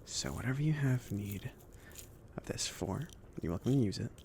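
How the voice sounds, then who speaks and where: Casting: chill, kindly mage , male performer for ASMR roleplay; whispery, lightly gravelly, rambling and casual with lilting intonation. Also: lowish voice, lively intonation, normal speed, slight background noise. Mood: relaxed, explanatory. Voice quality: soft, breathy whispering mixed with murmured speech. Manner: hesitant, casual, rambling delivery. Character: chill, friendly male mage kindly outfitting his apprentice.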